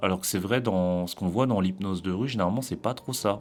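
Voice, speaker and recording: Music plays in the background as a man with a fairly low pitch talks with ordinary pitch variation. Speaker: street hypnotist. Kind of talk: reflective monologue. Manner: hesitant.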